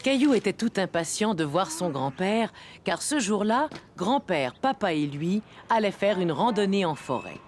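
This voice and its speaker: A woman narrating a children's story in a gentle, explanatory way. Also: medium pitch, sing-song, moderate pace, faint music behind.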